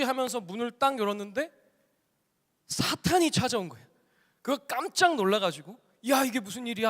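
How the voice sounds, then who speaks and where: High-voiced man preaching in an echoing church. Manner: animated storytelling, addressing the congregation. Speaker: pastor. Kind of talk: sermon. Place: church sanctuary. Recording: long church hall reverb.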